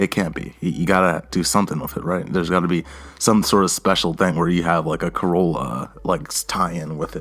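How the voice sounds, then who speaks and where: Speaking fairly quickly, a man with a very deep, low pitch shows vocal fry and ordinary pitch variation. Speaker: car enthusiast YouTuber. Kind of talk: casual vlog commentary. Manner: halting, many fillers and restarts.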